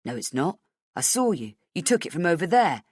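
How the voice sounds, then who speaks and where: A woman's voice: low voice, very animated, brisk, darkish tone, slightly rough, dry recording, exaggerated voice. Brusque security guard, male, read by a woman, raised and dry. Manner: brusque, blunt.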